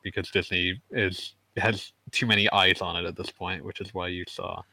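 A man's voice: deep voice, flat delivery, moderate pace, gravelly, pushed and bright, no room sound, rough recording. A man co-hosting a casual gaming podcast, rambling and stumbling over his words, often breaking into laughs. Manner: rambling, stammers on restarts, laughs mid-sentence. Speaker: podcast co-host.

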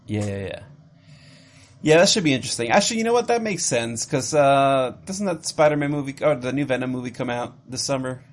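A man hosting a podcast, chatting casually and teasing his co-host in a jokey, animated way. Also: mid-range voice, fairly quick. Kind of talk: casual chat.

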